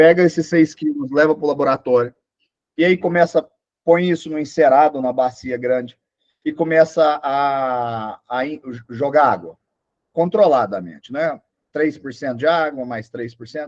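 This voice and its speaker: In a dry, close recording with no echo, a man with a fairly high pitch talks at a fairly slow pace, his loudness swinging widely and his pitch varying in an ordinary way. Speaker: professor. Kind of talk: online lecture with Q&A. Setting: video call class with chat.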